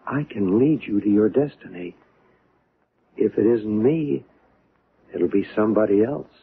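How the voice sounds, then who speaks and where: A man's voice: lowish voice, measured pace, creaky, slightly rough, exaggerated voice. An actor in a 1970s radio drama playing a mysterious, coaxing man who speaks in a hypnotic, portentous way. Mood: persuasive, grandiose. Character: mysterious, coaxing man luring a woman to aliens. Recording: muffled, noisy old radio recording.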